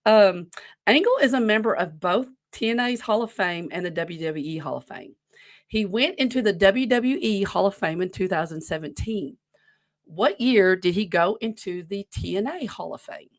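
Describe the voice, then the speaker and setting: A woman's voice: mid-range voice, lively intonation, moderate pace. A woman in her forties, co-hosting a podcast in a casual, rambling way and easily drifting off on tangents. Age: 40s. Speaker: podcast co-host running a wrestling quiz. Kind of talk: casual chat.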